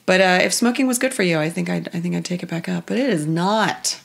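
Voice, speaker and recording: A woman guest talking casually about her life in a kitchen, her voice a bit raspy, chatty and reflective with many fillers. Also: fairly low pitch, quick pace. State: slightly raspy voice. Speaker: guest, actress. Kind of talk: casual podcast chat.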